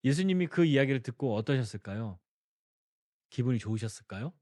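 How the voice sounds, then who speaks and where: A man's voice: mid-range voice, animated, fairly quick, dark tone, dry recording, clean studio sound. A male pastor preaching a sermon, telling the story and asking the congregation questions. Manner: storytelling, acting out quoted dialogue.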